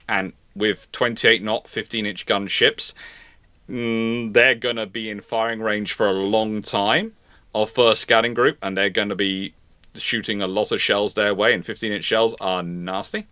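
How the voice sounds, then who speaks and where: A man hosting a live naval history Q&A, reasoning aloud in a halting way and often repeating and reworking his phrases. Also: fairly low pitch, steady tone, bright, forceful tone, no echo. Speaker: host answering viewer questions.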